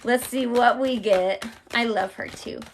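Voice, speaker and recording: A woman's voice: on the high side, measured pace, creaky, noisy background. Chatty woman hosting a card reading. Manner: chatty, addresses viewers directly with y'all; calm, encouraging when giving guidance. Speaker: tarot card reader. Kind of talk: live-streamed card reading and casual chat.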